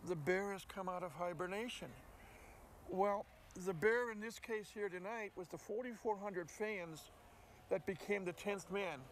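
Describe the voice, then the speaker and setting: A man's voice: high-pitched, a little slow. An older American man, a play-by-play announcer, talking sports as a co-host and repeating words for emphasis. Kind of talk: sports commentary chat. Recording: faint ambient background noise.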